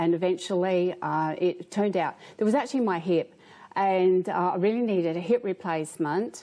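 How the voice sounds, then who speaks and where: At a moderate pace, a woman with an Australian accent speaks in a dark, mellow tone with very even loudness, in a very clean recording with a silent background. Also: medium pitch for a woman, ordinary pitch variation. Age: 70s. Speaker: contortionist. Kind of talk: interview. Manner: halting.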